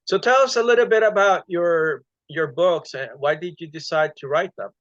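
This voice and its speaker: A male podcast host talks in a loose, chatty way, leaning often on "you know". His voice is slightly high. The recording is dry and close but dull and lo-fi. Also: moderate pace, fairly bright tone, no echo. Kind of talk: podcast interview.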